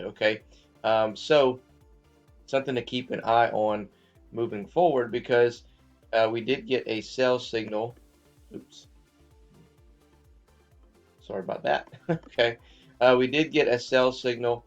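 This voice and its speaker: Laid-back guy running a money channel, kinda low voice, lots of um and okay, muffled audio w/ faint music under it. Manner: loose and chatty, many fillers, checks in with "okay?". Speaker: finance channel host. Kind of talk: casual market commentary to viewers.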